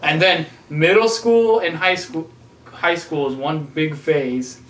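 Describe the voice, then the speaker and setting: A man's voice: on the high side, slow pace, a bit bright. A man in his twenties co-hosting a casual podcast, rambling and filling his talk with "like". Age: 20s. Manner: rambling, heavy use of "like". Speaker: podcast co-host. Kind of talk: casual chat among friends. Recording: roomy sound from a distance.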